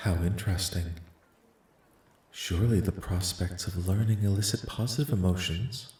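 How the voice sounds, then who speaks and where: Soft-spoken, echoing alien researcher played by a man. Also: close to an everyday voice. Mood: calm, curious. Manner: formal, clinical, measured questioning. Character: curious, polite, detached alien researcher studying human dreams. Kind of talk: soft-spoken ASMR roleplay. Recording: echoing voice with faint rumbling noise.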